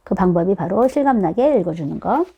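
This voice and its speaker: A woman giving an explanatory, conversational talk to parents as an educator, animated and often putting questions to her listeners. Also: mid-range voice, brisk, husky, highs cut off. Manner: animated, acts out short quotes of children and parents.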